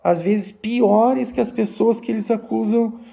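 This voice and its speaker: A man, an umbanda teacher giving a slow, repetitive religious talk to his viewers. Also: high-pitched, steady tone, gravelly, dark tone. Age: 50s. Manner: slow, repetitive, addressing listeners as "gente". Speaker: umbanda spiritual teacher and channel host.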